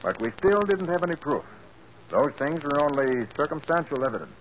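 Man doing a cool-headed private eye, steady, muffled 1940s radio play with hiss. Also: on the high side, a little fast, close to an everyday voice. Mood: calm. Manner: calm, explanatory. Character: confident male private detective, calm. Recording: dull old radio recording with hiss.

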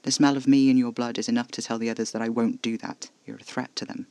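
A man voicing a brooding, protective male vampire with a low, curt, flat delivery. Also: fast, dry recording, natural voice. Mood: tense.

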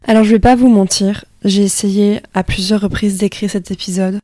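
A woman's voice: medium pitch, steady tone, moderate pace, mellow, no echo. Young woman, close dry sound. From Wallonia, Belgium. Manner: informal, conversational, unscripted. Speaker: podcast host. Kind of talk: spontaneous solo podcast talk.

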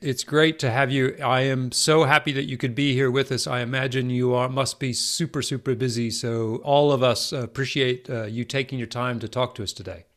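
A man hosting a podcast, reading a measured, formal introduction and then interviewing his guest. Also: mid-range voice, steady tone, a bit bright. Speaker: podcast host.

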